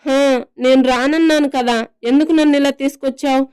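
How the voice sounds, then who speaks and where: A woman voicing a tipsy, playful young wife who talks in a drawn-out, sing-song slur. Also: high-pitched, fairly even intonation, darkish tone, close to an everyday voice. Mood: tipsy, pouting.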